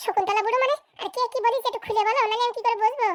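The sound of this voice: A squeaky, cartoonish character voice from a woman, pitched extremely high, races along at a very fast pace.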